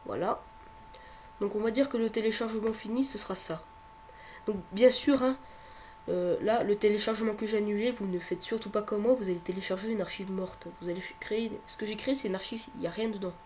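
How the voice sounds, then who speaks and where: A man with a cold giving a hesitant, step-by-step tech tutorial, often pausing and repeating himself. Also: sits high, a little mellow, slight background noise. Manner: hesitant, filler-heavy, repeats words. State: has a cold. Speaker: tutorial presenter. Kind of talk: screen-recording tech tutorial.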